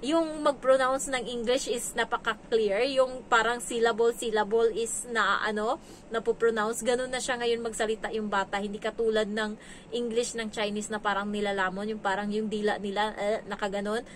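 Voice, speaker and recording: A woman's voice: a little high, flat delivery, normal speed, a little hiss or hum. A woman from the Philippines who works as a domestic helper, telling stories in a chatty vlog and acting out what people said. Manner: chatty, acts out quoted dialogue. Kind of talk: casual storytelling vlog.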